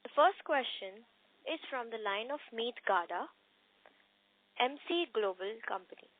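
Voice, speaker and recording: Female call operator, slightly high pitch, polite scripted delivery, phone-band audio. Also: expressive, a little slow, dry recording. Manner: formal, polite. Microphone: telephone conference line. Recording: narrow phone-line sound.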